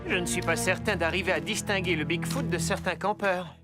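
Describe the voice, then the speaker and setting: A man's voice: sits high, brisk, close to an everyday voice. A man voicing a boastful but timid middle-aged father in a French cartoon dub. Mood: jolly. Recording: loud music behind the voice.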